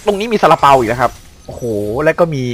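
Let's-play commentator, male, animated, exclamatory, jokey. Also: a little high, fast talker. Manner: excitable, joking, exclaiming at the action. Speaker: gameplay commentator.

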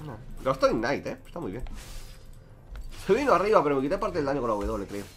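Young male streamer, quick and lively, crude banter, faint music behind. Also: medium pitch. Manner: crude, joking, talks to chat. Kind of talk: casual gameplay commentary.

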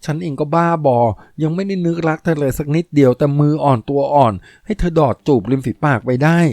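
A man's voice: quick pace, dry recording, studio quality, close to an everyday voice. A man doing a coy, teasing young woman. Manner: raised pitch, soft and coy.

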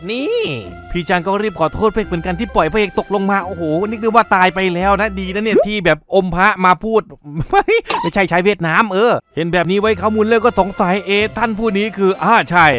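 Man, anime recap narrator, rapid delivery, chatty asides, soft music underneath. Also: high voice. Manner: chatty, with joking asides and exclamations. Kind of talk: casual spoken anime recap.

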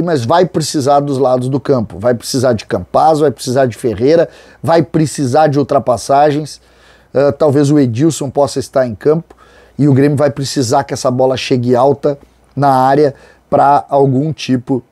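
A middle-aged host from Rio do Sul delivers opinionated football commentary in a chatty way, leaning on drawn-out words to make his points. His voice is mellow and dark in tone. It is recorded dry and close on a lapel mic in a small studio. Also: medium pitch, no room sound. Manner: conversational and opinionated, with drawn-out emphasis on key words. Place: small studio with a branded backdrop, indoors.

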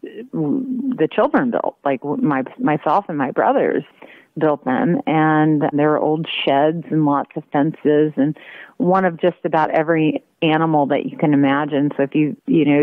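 A woman from Southern Illinois, a guest author, telling stories in a relaxed, casual way with frequent laughter. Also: low-pitched, no room sound, narrow, tinny audio. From Southern Illinois, USA. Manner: laughs often, relaxed storytelling. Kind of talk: casual interview.

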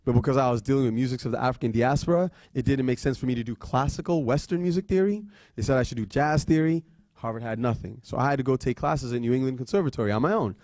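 Guy giving a talk, animated story, goes loud then quiet, dry mic. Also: medium pitch, fast talker, no echo. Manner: animated, swings between loud and hushed. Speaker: guest speaker.

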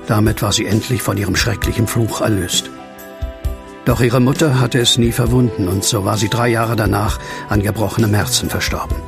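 Troubled widower for horror audio drama: low, gravelly, brooding, heavy-hearted. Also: male voice. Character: troubled, grieving widower just released from asylum. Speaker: lead actor and first-person narrator.

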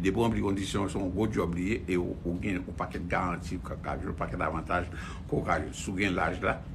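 A man's voice: low-pitched, background noise. A man with a Haitian accent giving rambling news commentary, repeating phrases and using many fillers.

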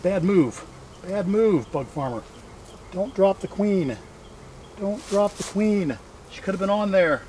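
A man's voice: high voice, a little mellow. A middle-aged man casually narrating as he works outdoors, in a folksy way, as if chatting to himself. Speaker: beekeeper and vlog host. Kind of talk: casual narration while working at a hive. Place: outdoors in a wooded yard. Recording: outdoor audio with clear background noise. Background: outdoor ambience, buzzing insects.

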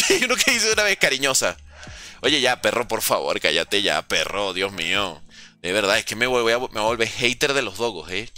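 A man's voice: fairly low pitch, very animated, normal speed, bright, forceful tone, faint music behind. A man from Venezuela, a gaming streamer chatting casually from home, reading chat aloud and joking with viewers. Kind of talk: casual live-stream chat while playing. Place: at home, room with a window.

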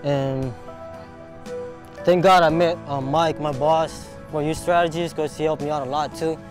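A young man from Palau, raised in Hawaii, talking earnestly and haltingly in an interview, often saying "man". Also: a little high, fairly even intonation. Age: young adult. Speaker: program student. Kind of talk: interview talk. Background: music bed.

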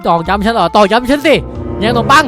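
Man voicing a bumbling young cop, shouty and excitable, music in the background. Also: high-pitched, fast. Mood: sulky. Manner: shouty, frantic, then meekly apologetic. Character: clumsy excitable young male policeman. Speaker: channel host. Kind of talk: Minecraft cartoon dubbing.

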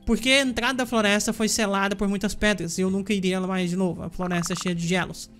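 A man's voice: sits high, fast, faint music behind. A man reading as a stubborn fisherman with a Brazilian accent. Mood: cautious. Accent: Brazilian Portuguese. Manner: reads game dialogue aloud in a flat voice.

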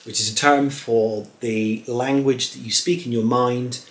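A man in his thirties with an English accent talks casually to a family vlog audience from a living room sofa. He chats and explains things in an easygoing way, with a middle-pitched voice. The sound comes from a camera set a few feet back in the room. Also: steady tone, measured pace, a bit bright. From England. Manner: chatty, explains things with gestures, laughs lightly. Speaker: channel co-host. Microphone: fixed camera a few feet away.

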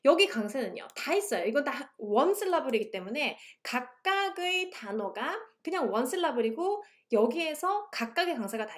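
A woman lecturer explaining English teaching, switching between languages and reading English passages aloud slowly. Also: sits high. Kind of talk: recorded online lecture.

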